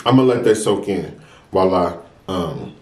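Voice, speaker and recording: A young American man chatting casually and earnestly to viewers while eating, unhurried between bites. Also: sits low, lively intonation, a little mellow. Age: young adult. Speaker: mukbang vlogger. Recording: roomy, echoey sound.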